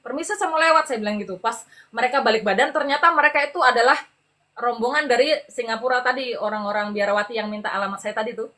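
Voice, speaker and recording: A middle-aged woman speaks as a podcast guest, telling her own story. Her voice is fairly high and bright, with a crisp edge. She tells it with lively energy, laughs easily, and switches into character voices for the people she quotes. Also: fast talker. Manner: animated, laughs often while telling the story. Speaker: podcast guest giving a testimony. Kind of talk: conversational storytelling.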